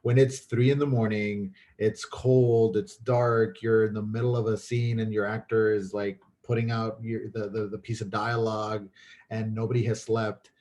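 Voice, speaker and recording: A man's voice: fairly low pitch, flat delivery, normal speed, a little mellow. A man who grew up in Mexico and speaks Spanish as his first language, talking casually and thoughtfully as a filmmaker guest, often restarting his sentences. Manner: thoughtful, with frequent restarts and fillers. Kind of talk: casual chat.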